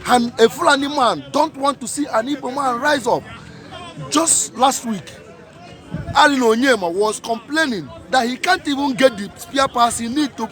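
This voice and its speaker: Man, high voice, rallying a street protest, faint crowd behind. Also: fairly bright tone. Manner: repetitive, emphatic rhetorical questions. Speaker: protest speaker. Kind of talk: impassioned outdoor protest speech.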